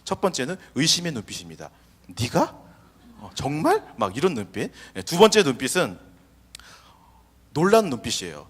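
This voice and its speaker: A man's voice: medium pitch, sing-song, brisk, breathy edge. A young man preaching a sermon as pastor, acting out imagined quotes in changing voices. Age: young adult. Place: church sanctuary. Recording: long hall reverb.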